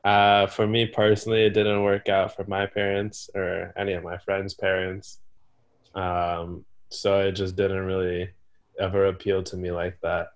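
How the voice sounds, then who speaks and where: Hesitant young man with a lowish voice. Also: monotone, measured pace. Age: 20s. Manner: hesitant, with many ums and soft trailing-off phrases. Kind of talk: casual chat.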